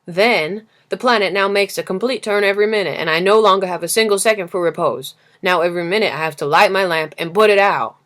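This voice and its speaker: A woman's voice: medium pitch, fast talker, few pauses, fairly bright tone, lightly acted. A woman voicing a weary, complaining lamplighter in a storybook, bound by orders, with a clipped, emphatic manner. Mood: exasperated. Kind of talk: storybook character reading.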